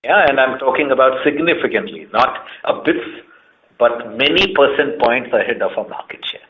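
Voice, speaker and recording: Heard through a conference call line with muffled, band-limited sound, an Indian man acting as company CEO fields earnings-call questions. His mid-range voice is expressive and moves at normal speed as he explains emphatically, point by point.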